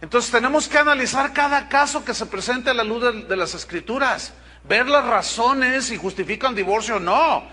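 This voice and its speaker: A middle-aged man with a Mexican accent preaching a sermon, telling a congregation story in a direct, animated way with humorous asides. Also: extremely high pitch, moderate pace. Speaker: pastor.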